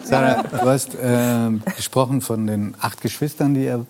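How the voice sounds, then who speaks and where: A woman's voice: a bass voice, steady tone, moderate pace, a little mellow. A woman hosting a talk show, asking curious, friendly questions.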